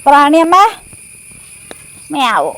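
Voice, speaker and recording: A woman's voice: high-pitched, sing-song, slow. A middle-aged woman with a central Kerala Malayalam accent, talking casually through a walking vlog and cooing to her animals outdoors. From Thodupuzha, Kerala. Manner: chatty, coos and calls out to animals. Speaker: vlogger. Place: outdoors on a rural farm path.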